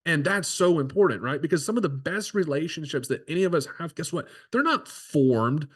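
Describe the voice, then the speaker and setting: A man's voice: on the high side, fast, slightly rough. Conversational male horse trainer. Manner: conversational, keeps asking "right?"; frequent restarts and filler. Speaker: horse trainer and podcast host. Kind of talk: casual instructional talk.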